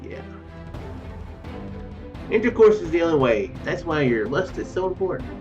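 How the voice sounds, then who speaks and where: A man's voice: on the high side, very animated, moderate pace, darkish tone, distant mic. A man reading aloud the visual novel lines of a lusty, confident superheroine in a matter-of-fact way. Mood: confident, seductive. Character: lusty, confident superheroine sharing her powers. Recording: dull lo-fi mic with faint music.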